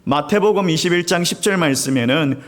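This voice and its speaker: A man's voice: on the high side, fairly quick. A man, the senior pastor, preaching a Sunday sermon in a church sanctuary. He tells stories animatedly, acts out crowds and weeping, and keeps turning to speak straight to the congregation. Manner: often appeals directly to the congregation.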